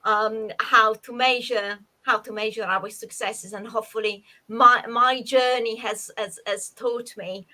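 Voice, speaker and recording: A woman's voice: fairly high pitch, steady tone, measured pace, hardly any pauses, bright, forceful tone. A woman from Italy, a psychologist and former dancer, answering interview questions hesitantly with many fillers and restarts. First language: Italian.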